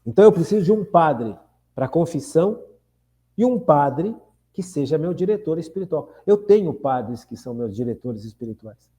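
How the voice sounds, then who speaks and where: A man's voice: fairly high pitch, big pitch swings, normal speed, dark tone. A man in his sixties with a Brazilian Portuguese accent, hosting an earnest, reflective spiritual radio talk and often turning to ask his listeners questions. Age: 60s. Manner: earnest, repeats phrases, asks listeners questions. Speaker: radio host.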